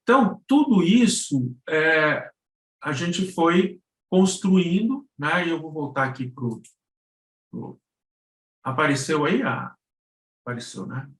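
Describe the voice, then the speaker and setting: Halting Brazilian man, roomy sound. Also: a little high, animated, a bit bright. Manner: halting, searching for words. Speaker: guest lecturer on podcast production. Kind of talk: informal online lesson. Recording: roomy, echoing live-stream sound.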